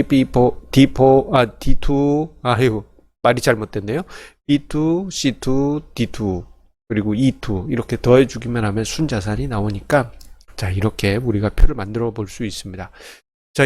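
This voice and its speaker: A man's voice: mid-range voice, darkish tone, no room sound. A man explaining personal finance step by step as an instructor, in a conversational, polite way, often correcting himself. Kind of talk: informal spreadsheet tutorial, explaining step by step.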